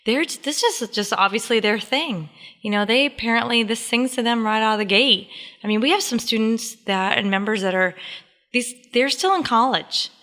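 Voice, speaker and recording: A woman's voice: on the high side, normal speed, pushed and bright, long reverb tail. An American woman co-hosting a podcast in casual chat, agreeable and playful. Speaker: podcast co-host.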